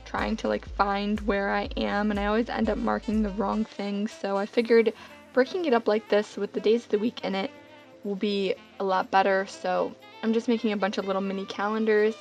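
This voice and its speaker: A young woman with a hoarse, sickly voice narrating a casual journal setup, rambling and self-deprecating with lots of fillers. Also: medium pitch, level tone, normal speed, faint music behind. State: hoarse, getting over being sick. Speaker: bullet journal vlogger.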